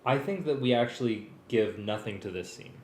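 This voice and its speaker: Casting: male collaborator, mid-pitched, tentative informal work talk, roomy recording. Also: lively intonation, moderate pace, darkish tone, a little hiss or hum. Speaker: music collaborator. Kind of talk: casual working chat.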